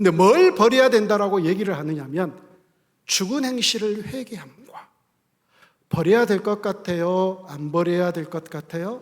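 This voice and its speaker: A man speaks at a fairly slow pace. His voice is high-pitched with ordinary pitch variation. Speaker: retired pastor, guest preacher. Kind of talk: sermon.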